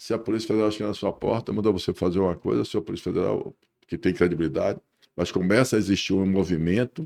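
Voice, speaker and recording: This very clean recording with a silent background captures a man speaking. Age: 60s. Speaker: podcast host. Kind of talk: conversational interview. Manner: animated.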